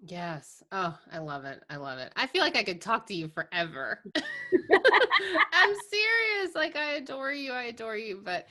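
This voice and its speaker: A woman's voice: a little high, very animated, moderate pace, bright, forceful tone. A woman from Georgia with a Southern accent, hosting a podcast interview in an effusive manner and laughing easily. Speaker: podcast host.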